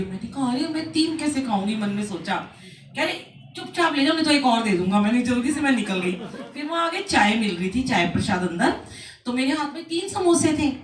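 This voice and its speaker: A middle-aged woman with a somewhat high voice tells devotional stories at a home gathering, acting out the lines of the people in them. She is picked up from some distance in an echoey room, with faint room sound behind her. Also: a little hiss or hum. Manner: lively anecdotal storytelling with acted quotes. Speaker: satsang speaker. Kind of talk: devotional storytelling talk. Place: a home satsang gathering indoors.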